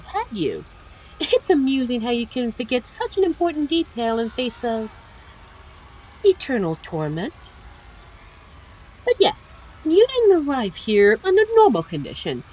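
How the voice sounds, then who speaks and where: A woman's voice: high-pitched, darkish tone, dull audio, heavily acted. A woman voicing a seductive, teasing female demon in a scripted ASMR roleplay, speaking with a coy, condescending, theatrical manner.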